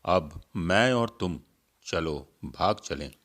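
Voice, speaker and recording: A man's voice: deep voice, animated, slow, fairly bright tone, exaggerated voice. A man doing a disillusioned young activist. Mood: dismissive. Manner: curt, dismissive replies. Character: disillusioned young male activist, wants to flee.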